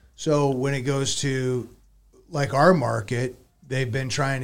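A somewhat breathy man with an American accent at a moderate pace, on a very clean recording with a silent background. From rural Oregon. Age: 50s. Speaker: home inspector. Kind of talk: casual interview chat. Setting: studio.

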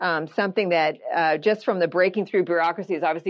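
This woman has a medium-pitched voice. Her pitch varies in an ordinary way. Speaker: senior lecturer and event moderator. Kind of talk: speaker introduction. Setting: lecture room with audience.

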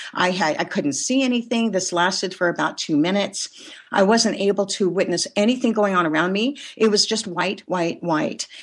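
A plain, everyday voice moves at a moderate pace with hardly any pauses. Its loudness stays very even while the intonation is lively. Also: woman, medium pitch for a woman. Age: 50s. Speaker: energy healer and author. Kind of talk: interview.

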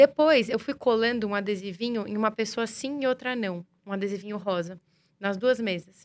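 In a plain, everyday voice, a woman talks at a moderate pace with a fairly high pitch and ordinary pitch variation. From Brazil, Mato Grosso do Sul (Campo Grande). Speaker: finance professional and women's networking leader. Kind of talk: casual interview.

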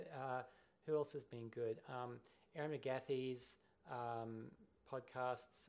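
A man talks at a medium pitch with a monotone, flat intonation. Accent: Australian. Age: young. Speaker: musician and podcaster. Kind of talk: casual interview chat.

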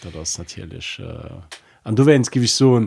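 Here a man speaks at a very slow pace. His pitch sits in the medium range. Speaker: podcast co-host. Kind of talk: casual philosophical discussion. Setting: recording studio.

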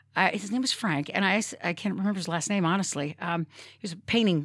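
Her intonation lively and her pace fairly quick, a woman talks in a Central Pennsylvania accent. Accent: Central Pennsylvania American. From Central Pennsylvania, Cumberland County. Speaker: radio host. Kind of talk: casual interview chat.

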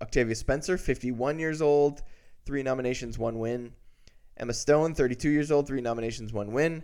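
In a plain, everyday voice, a man talks at a medium pitch, his pitch varying in an ordinary way. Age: 30s. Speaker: podcast host. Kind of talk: casual chat.

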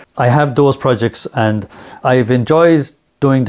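A man with a Limerick accent. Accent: Limerick Irish. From Ireland, Limerick City. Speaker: artist and author. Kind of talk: interview. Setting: artist's studio. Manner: fast.

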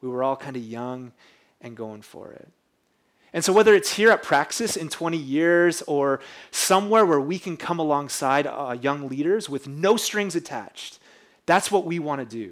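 A man with an ordinary speaking voice talks at a fairly high pitch and moderate pace, with lively intonation and big swings in loudness. The recording is very clean, with a silent background. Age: 30s. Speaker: pastor. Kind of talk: sermon.

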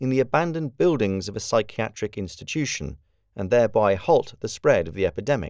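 Using a normal speaking voice, a man talks at a fairly quick pace with medium pitch and lively intonation. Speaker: podcast host. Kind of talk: scripted narration. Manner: formal.

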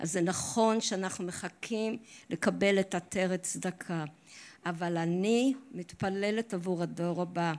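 On a very clean recording with a silent background, a woman speaks very slowly at a medium pitch with ordinary pitch variation. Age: 70s. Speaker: congregation member. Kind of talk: testimony.

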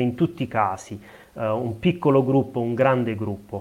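A man speaks with ordinary pitch variation. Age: 30s. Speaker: pastor. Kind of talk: interview testimony. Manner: halting, frequent repetitions.

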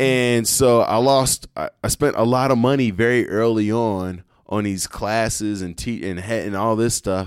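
A man with an American accent talks in an ordinary speaking voice at a medium pitch. He moves at a fairly slow pace with fairly even intonation in a very clean recording with a silent background. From Chicago. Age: 40s. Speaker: comedian and anti-suicide activist. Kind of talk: casual chat.

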